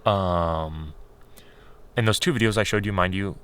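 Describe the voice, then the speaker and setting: A man talking in a casual, unscripted vlog style, candid and rambling as he thinks aloud, his voice getting a little hoarse. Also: low voice, measured pace, fairly bright tone. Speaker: video creator.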